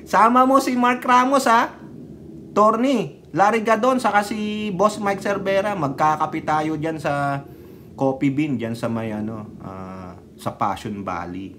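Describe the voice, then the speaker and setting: A man's voice: on the high side, fairly even intonation, slow, pauses often, a bit bright, a little hiss or hum. A man vlogger delivering a political commentary rant, scolding and taunting, slipping into English and pressing with repeated questions. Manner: scolding, taunting, mixes in English, keeps asking "ha?" and "di ba?".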